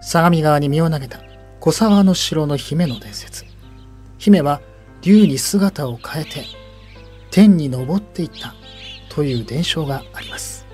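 A man narrating a local legend from a script, in a solemn storytelling manner with deliberate pauses. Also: on the high side, darkish tone, faint music behind.

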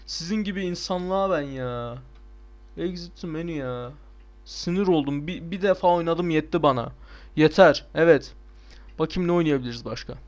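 A young man giving casual, excitable gameplay commentary, swearing and shouting at the game. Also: on the high side, moderate pace. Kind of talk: casual let's play commentary.

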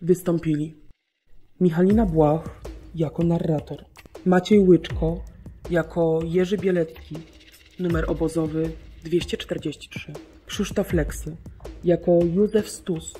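A woman narrating a scripted documentary radio drama in a measured, solemn, clearly articulated way. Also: on the low side, steady tone, warm tone. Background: music.

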